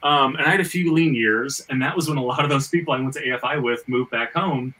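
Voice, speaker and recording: A man with a sharp, bright voice hosts a casual panel discussion. He works through his points aloud, often doubling back and stammering on small words. He sounds a little removed from the microphone. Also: medium pitch, quick pace, distant mic, poor audio. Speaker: podcast host; screenwriter and fiction writer. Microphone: video call.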